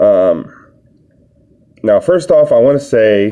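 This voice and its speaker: This is a man speaking. His pace is fairly slow. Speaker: delivery driver. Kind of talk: personal testimony vlog.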